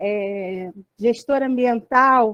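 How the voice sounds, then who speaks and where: A woman with a Rio de Janeiro accent speaks at a high pitch, in a dry, close sound with no echo. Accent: Rio de Janeiro (carioca). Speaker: social worker, graduate researcher. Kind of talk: video call discussion.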